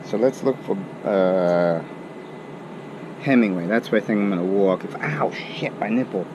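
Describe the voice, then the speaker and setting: A man's voice: on the low side, a little slow, lo-fi sound. A young man, a student, talking to himself in a put-on Irish accent while walking outdoors, muttering and self-mocking. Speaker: student vlogger. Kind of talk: casual walking vlog commentary. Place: outdoors on city streets and a campus. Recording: street traffic noise outdoors.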